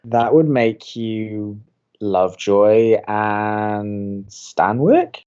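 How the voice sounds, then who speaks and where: A man's voice: lowish voice, extremely slow, dark tone, smooth, lo-fi sound. A man playing a wry, sceptical young college radio co-host in an audio comedy, with a dry, teasing delivery. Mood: surprised, teasing. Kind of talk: audio drama romantic comedy dialogue.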